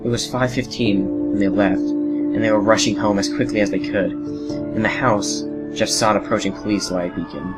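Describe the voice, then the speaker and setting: A man narrating a horror story in a dramatic scripted style, brooding and full of pauses. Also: fairly low pitch, fairly even intonation, poor audio. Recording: loud music bed under voice. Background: loud music.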